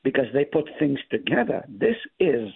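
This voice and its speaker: Man, native Hebrew speaker, from the Middle East, husky and gravelly, lively emphatic pitch, tinny phone-line sound. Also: moderate pace. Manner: emphatic, explaining with rising stress. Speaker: pastor guest. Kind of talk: Bible study discussion.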